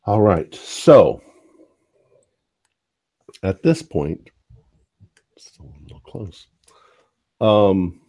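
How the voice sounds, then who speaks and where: A man narrating as game master of a tabletop horror game, hesitant and full of pauses. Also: low-pitched, darkish tone. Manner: hesitant, many ums.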